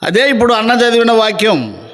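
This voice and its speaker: A man's voice: high-pitched, sing-song, moderate pace, a bit bright, in a large hall. A man preaching a sermon as pastor, giving orders to his readers in a stern voice that rises to emphatic declarations. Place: church meeting.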